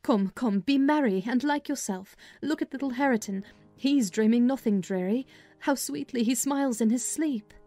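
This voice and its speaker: A woman's voice: on the high side, normal speed, warm tone, close to an everyday voice. A woman voicing a sensible, skeptical servant woman in a dramatized audiobook, practical and chiding. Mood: chiding, uneasy. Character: sensible, skeptical servant woman advising her young mistress. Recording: music under the voice.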